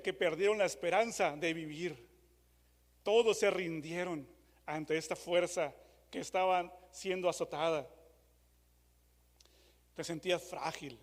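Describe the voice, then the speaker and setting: A man preaching a dramatic sermon, moving from loud re-enacted shouts to hushed questions. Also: sits high. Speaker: pastor. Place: church hall. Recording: long church hall reverb.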